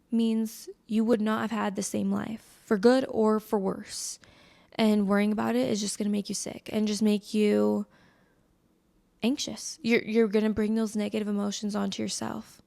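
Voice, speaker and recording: Speaking close to the microphone, an American podcast host talks on her own in a relaxed, chatty way. Her voice sits in the middle range, mellow yet gravelly, with a scratchy, slightly stuffy quality.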